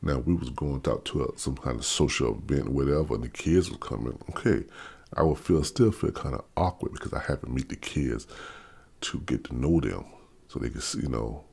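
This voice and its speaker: His bass voice is husky, gravelly, and a little mellow, and he talks fairly quickly. The speaker is a vlogger in his fifties with a Maryland/Washington DC accent, bluntly ranting his opinions to camera without a script, repetitive and stammering as he restarts.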